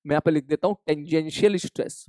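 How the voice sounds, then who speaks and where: A man teaching physics in an exam revision lecture, energetic and talking straight to his students, often answering his own questions in their voice. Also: fairly high pitch, fast, no room sound. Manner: energetic, addresses students as "bhai sahab".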